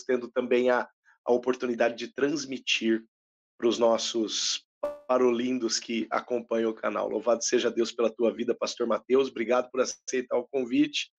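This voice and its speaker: A man co-hosting a Christian podcast, effusive and full of religious exclamations. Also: medium pitch. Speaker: podcast co-host. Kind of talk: casual chat.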